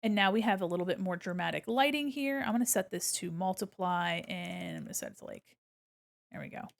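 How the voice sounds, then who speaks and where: A woman hosting a casual art livestream, explaining as she works and speaking in a gentle, encouraging way. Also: lowish voice, very animated, brisk, gravelly. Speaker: art streamer and critique host. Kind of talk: casual livestream commentary while drawing, reading chat aloud.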